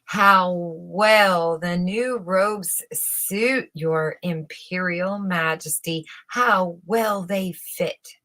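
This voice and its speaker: A woman's voice: lowish voice, very slow, hardly any pauses, sharp tone, heavily acted. A woman voicing sycophantic courtiers and townsfolk in a storybook, gushing with exaggerated admiration.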